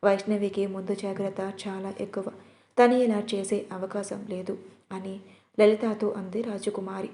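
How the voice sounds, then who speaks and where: A woman narrates an audio story in a steady reading manner. Her voice is mellow and dark, with ordinary pitch for a woman. She reads from a script. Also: moderate pace.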